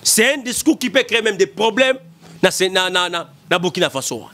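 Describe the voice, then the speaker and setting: Emphatic high-voiced Congolese man. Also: lively intonation, normal speed, bright, forceful tone. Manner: emphatic, repetitive, gesturing. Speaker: political commentator. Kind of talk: impassioned political commentary. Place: small studio. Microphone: desk mic in front.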